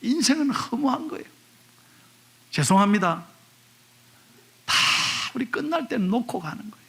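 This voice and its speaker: A man's voice: very high-pitched, sing-song, normal speed, creaky, a bit bright, slightly rough. A male pastor preaching a sermon in a folksy storytelling way, acting out the voices of people in his anecdotes. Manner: folksy storytelling, mimics others' speech.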